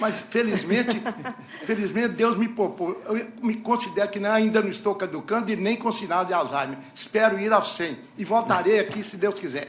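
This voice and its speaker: A man with a high-pitched voice talks at a moderate pace, with noticeable background noise and audible room echo. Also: ordinary pitch variation. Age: 80s+. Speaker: lawyer. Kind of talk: courtroom remarks. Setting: courtroom. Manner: halting, stuttering.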